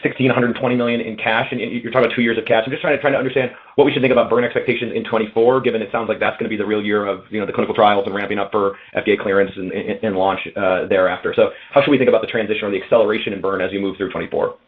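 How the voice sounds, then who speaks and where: A man's voice: on the low side, flat delivery, very fast, hardly any pauses. A man asking questions as a financial analyst on an earnings call. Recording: tinny phone conference line.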